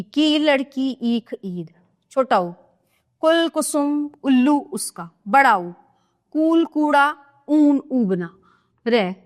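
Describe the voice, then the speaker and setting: A woman teaching a grammar lesson, spelling out examples one by one and checking in with the listener as she explains. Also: high-pitched.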